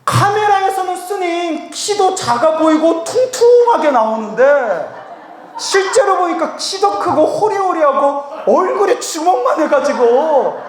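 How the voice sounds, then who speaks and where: Man doing a gushing middle-aged temple clerk lady, high and excited, roomy hall. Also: normal speed, vocal fry, hardly any pauses, full character voice.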